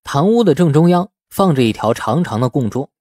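A man narrates an audiobook novel in a husky, mellow voice. His storytelling rises and falls in lively swings of pitch. The sound is dry and close to the microphone. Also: brisk, no room sound.

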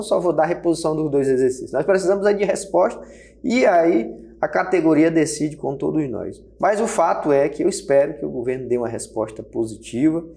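Gravelly-voiced union leader making his case. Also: medium pitch, a little mellow. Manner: emphatic, gestures broadly while speaking. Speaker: health workers' union leader. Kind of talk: interview answers. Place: small studio set with table. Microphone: lapel mic.

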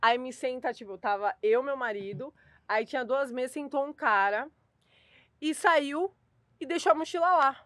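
A young Brazilian woman co-hosting a casual chat show, telling stories in an animated, dramatic way. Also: high voice, normal speed, no echo. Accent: Brazilian Portuguese. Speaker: co-host.

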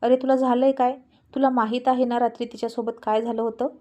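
A woman's voice: fairly high pitch, steady tone, moderate pace, mellow, close to an everyday voice. A woman voicing a reproachful, protective middle-aged mother in a spoken story, raising her voice in disbelief. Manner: reproachful, raised, incredulous.

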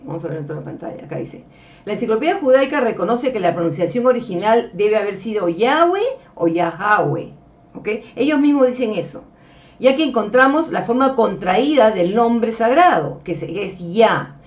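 A woman teaching religion presents over slides in an expressive, higher voice that is a little fast and a little mellow. Patient and explanatory, she calls her listeners beloved brethren and keeps checking with "ok?" while using "este" as a filler. The recording has a distant, dull mic.

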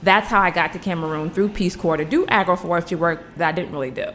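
A woman's voice: lowish voice, fast, a bit bright, a little hiss or hum. A woman in her forties from Virginia, a guest telling her story in a casual interview with candid, self-deprecating humor. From Hampton, Virginia. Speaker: guest, homesteader.

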